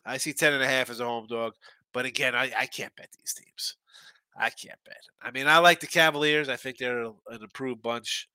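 A man's voice: mid-range voice, steady tone, normal speed, sharp tone, smooth, no room sound. A man hosting a live sports betting show, chatting loosely and reading viewer comments, with a congested, stuffy nose. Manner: chatty and loose, with frequent restarts and asides.

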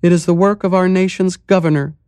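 A man voicing a calm, cryptic village mayor, a woman with a hollow, weirdly musical voice, in an audiobook. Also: high voice, clear, resonant tone, dry recording, voice pushed up. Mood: serene. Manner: serene, measured, cryptic. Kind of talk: audiobook character voice.

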